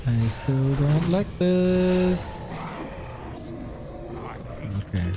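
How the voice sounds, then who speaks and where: A man's voice: a little high, animated, drawn-out words, music in the background. A man doing live gaming commentary as a streamer, full of exclamations and muttered grumbles. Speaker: game streamer.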